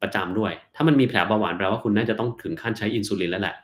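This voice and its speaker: This is a man with a somewhat low voice running a live question-and-answer stream as a doctor. He reads each viewer's question aloud and answers it plainly and bluntly, without softening. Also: racing.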